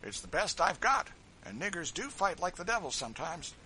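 A man's voice: high-pitched, sing-song, a little fast, bright, forceful tone, slight background noise, pitched above the performer's own voice, full character voice, rough recording. A man reading an audiobook, voicing a cautious, cowardly male slave catcher with a whiny, complaining manner. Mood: anxious.

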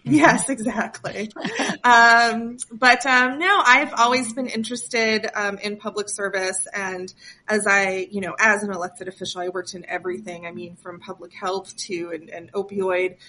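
A woman's voice: mid-range voice, fairly even intonation, moderate pace, bright, forceful tone. A woman from Western Pennsylvania, a project director, talking in an interview in a chatty way with lots of ums and light self-mocking humor. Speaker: guest, nonprofit project director. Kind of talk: interview conversation.

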